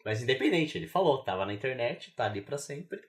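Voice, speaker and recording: A man with a Brazilian Portuguese accent co-hosting a podcast, telling a story in quick, slangy casual chat. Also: medium pitch, very animated. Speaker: podcast co-host.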